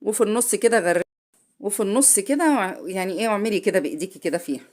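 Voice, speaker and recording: A woman's voice: medium pitch, very fast, a little mellow. A woman with an Egyptian accent, who has a cold, chats through a home cooking tutorial. She talks straight to her viewers and often corrects herself midway. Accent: Egyptian Arabic. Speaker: home cook.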